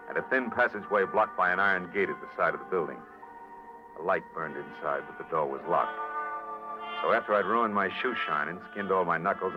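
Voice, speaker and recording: A man playing a tough, wry private detective who narrates and talks in clipped, wisecracking lines in a 1940s-style radio drama. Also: very deep voice. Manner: clipped, wisecracking, hard-boiled delivery. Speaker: lead actor and narrator. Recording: dull old radio broadcast recording with music.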